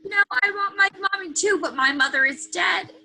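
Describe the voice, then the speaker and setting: A woman's voice: extremely high pitch, normal speed, pushed and bright, slight background noise, heavily acted. A woman playing a bubbly but unhinged, weepy children's storyteller with melodramatic sing-song delivery in a comedy sketch. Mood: wailing. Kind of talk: comedy sketch staged reading.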